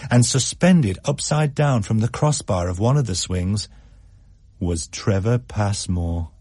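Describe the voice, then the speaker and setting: A man reads a story aloud for radio, his voice husky and full of lively swings in pitch. He slows and quickens to shape each scene. The recording is dry and close. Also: no echo. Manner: expressive, shifts pace for effect. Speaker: narrator.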